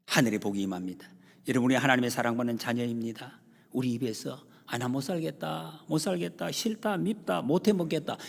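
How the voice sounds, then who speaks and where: A man preaching a sermon as pastor, emphatic, moving between loud exclamations and hushed whispers while he addresses the congregation. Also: fairly high pitch, breathy edge. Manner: addresses the congregation often as "여러분". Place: church sanctuary. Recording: long church hall reverb.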